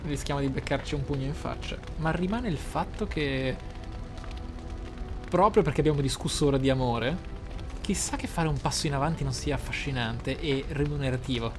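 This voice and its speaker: A man's voice: medium pitch, normal speed, music in the background. A man giving casual role-play game commentary, musing aloud in an amused manner. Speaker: let's play host.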